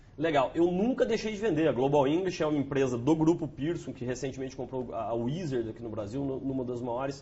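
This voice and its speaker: He speaks at a medium pitch with a São Paulo interior accent. His voice is somewhat breathy, with ordinary pitch variation. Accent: caipira (São Paulo countryside). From Brazil, São Paulo countryside (São João da Boa Vista). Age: 40s. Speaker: sales speaker and former executive. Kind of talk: interview (webinar). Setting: webinar. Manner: animated.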